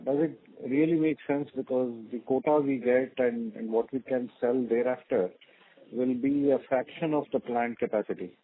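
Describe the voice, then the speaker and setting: A man's voice: medium pitch, moderate pace. Indian man on a thin phone line. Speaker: analyst asking questions. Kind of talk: earnings call questioning. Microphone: telephone conference line.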